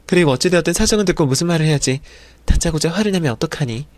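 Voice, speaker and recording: Guy playing a snippy middle-aged mom, scolding and scornful, a bit higher voice, dry close sound. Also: lively intonation, very fast, no room sound, lightly acted. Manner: snapping, scolding. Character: sharp-tongued middle-aged birth mother, defensive and scornful. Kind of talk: dramatized story reading.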